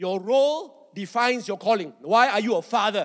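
A man's high voice in a Malaysian accent, animated in tone with lively intonation, at a fairly slow pace. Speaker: pastor. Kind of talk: sermon. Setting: church.

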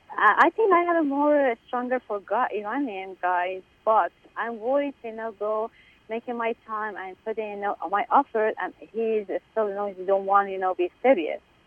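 A woman with a fairly high pitch speaks at a moderate pace. Her intonation is lively, and her loudness swings widely. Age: 50s. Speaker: caller. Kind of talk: call-in advice. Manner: halting.

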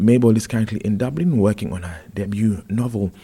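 At a moderate pace, a man speaks with a fairly low pitch. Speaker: podcast host. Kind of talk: podcast intro and outro.

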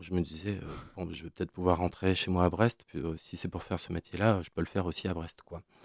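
On a very clean recording with a silent background and a dry, close sound with no echo, a man speaks with a very deep, low pitch and fairly even intonation. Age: 40s. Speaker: photographer. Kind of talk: radio interview. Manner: hesitant, many fillers.

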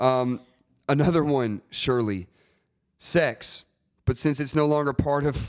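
A man at medium pitch with an animated tone, fairly slow pace and ordinary pitch variation, in a dry, close sound with no echo. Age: 30s. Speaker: podcast host. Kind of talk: casual chat.

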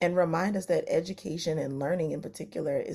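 Speaking very fast in an American accent, a woman has a fairly low pitch, a dark, mellow tone and vocal fry. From rural US South. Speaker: research center director. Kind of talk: panel discussion. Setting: video call.

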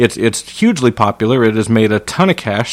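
With lively intonation and a moderate pace, a man speaks in an ordinary speaking voice. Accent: American. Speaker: podcast host. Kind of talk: casual chat. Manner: jokey.

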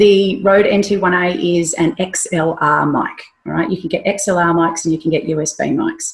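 With an Australian accent, a woman speaks at a very slow pace and a medium pitch, with hardly any pauses. Her pitch variation is ordinary. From Melbourne, Australia. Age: 40s. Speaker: voiceover artist and actor. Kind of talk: workshop talk with audience questions. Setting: video call presentation to an online audience. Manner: animated, conversational.

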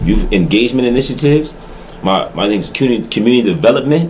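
A man with a New York accent talks at a very fast pace. His medium-pitched voice has ordinary pitch variation over noticeable background noise. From New York City. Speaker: community organization founder and political candidate. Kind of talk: casual panel discussion. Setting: studio.

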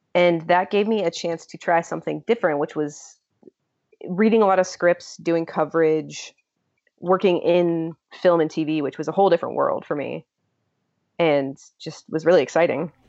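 A woman speaks with an American accent in an unremarkable speaking voice, fairly low in pitch. Her pace is moderate and her intonation fairly even. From Virginia, US (raised partly abroad). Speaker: animation writer. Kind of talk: interview conversation.

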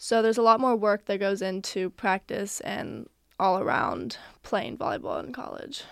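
On a very clean recording with a silent background, a woman at a medium pitch shows vocal fry, moderate pace, ordinary pitch variation and big swings in loudness. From California. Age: young. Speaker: college volleyball player. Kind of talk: casual interview.

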